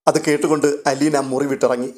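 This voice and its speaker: A man narrating a story recap of a TV serial in a steady, dramatic storytelling way. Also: mid-range voice, a little fast.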